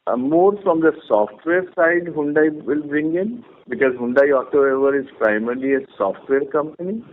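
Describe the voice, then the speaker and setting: A man, a company executive, explains his company's plans to analysts on an earnings call in a measured way with restarts. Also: on the high side. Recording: tinny phone line.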